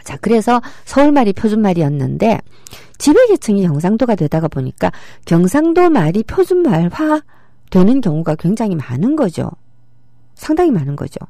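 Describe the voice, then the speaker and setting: A woman's voice: mid-range voice, very animated, moderate pace, creaky, warm tone, no room sound, studio quality. A middle-aged woman giving a public lecture, explaining with rhetorical questions and acting out quoted speech.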